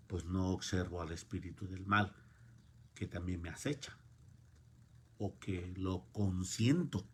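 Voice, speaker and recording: Male priest, homily, slow unhurried delivery, mellow dark tone, emphatic repetitions, faint church ambience. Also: low voice, slight background noise. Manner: emphatic, repeats words, voice swells and drops. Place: parish church.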